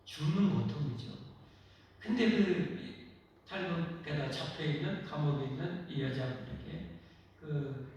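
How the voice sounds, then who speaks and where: A man pastor giving a sermon, acting out quoted voices with big swings between loud and soft. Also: a little high, a little slow, highs cut off. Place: church sanctuary. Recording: echoey church hall, voice from far off.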